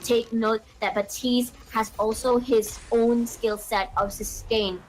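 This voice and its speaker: A woman's voice: a little high, fairly even intonation, slow, darkish tone, a little hiss or hum, low-quality recording. A woman giving analytical color commentary on an esports match, explaining the strategy.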